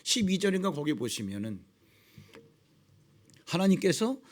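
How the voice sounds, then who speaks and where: A middle-aged man preaching a sermon as pastor, acting out dialogues and dropping suddenly to low, quiet tones. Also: sing-song, unhurried.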